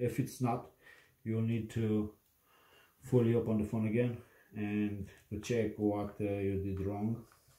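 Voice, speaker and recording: A man with a non-native accent speaks fairly slowly in a fairly low, dark, mellow, somewhat breathy voice, with monotone, flat intonation and long, frequent pauses. Audible room echo is present, though the background is quiet. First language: not English. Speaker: phone repair tutor. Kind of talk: tutorial. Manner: halting, many fillers. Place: home room. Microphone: phone near.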